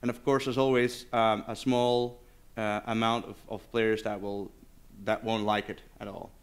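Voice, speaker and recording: A man speaking as a conference presenter, answering audience questions informally and haltingly as he searches for words. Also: lowish voice, flat delivery, clear, resonant tone. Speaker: conference speaker, game developer. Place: live conference session.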